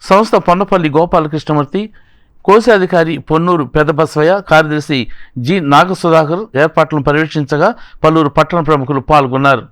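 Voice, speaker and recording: A man's voice: on the high side, brisk, dry recording. Man reading local news, dry close voice. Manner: formal, even reading. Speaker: news reporter. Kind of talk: scripted news narration.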